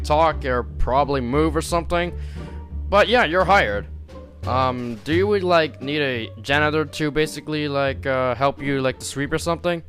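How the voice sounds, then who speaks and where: Man playing a bewildered principal, lively pitch swings, rambling, fillers, restarts. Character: male school principal, bewildered and excitable. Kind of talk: amateur animation voice acting.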